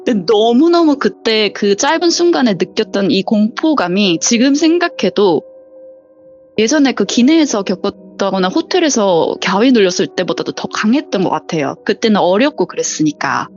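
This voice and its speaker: A woman recounts a true ghost story with a lively, swooping pitch, acting out the voices of the people in it. Her voice is slightly muffled and lo-fi, with faint music playing softly behind her. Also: moderate pace. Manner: vivid storyteller who acts out quoted voices. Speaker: flight attendant sharing a viewer story.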